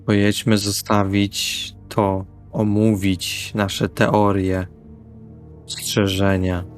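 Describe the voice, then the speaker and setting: A man speaks casually as a player in a tabletop role-playing session. His voice is on the low side, over faint background music. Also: completely flat delivery, very slow. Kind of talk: casual in-character table talk.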